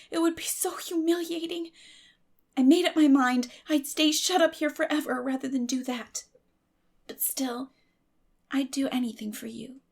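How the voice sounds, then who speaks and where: An earnest young girl from a storybook, played by a woman, pitched up high. She is imaginative and wordy, with a theatrical way of putting every feeling. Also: vocal fry, a little mellow.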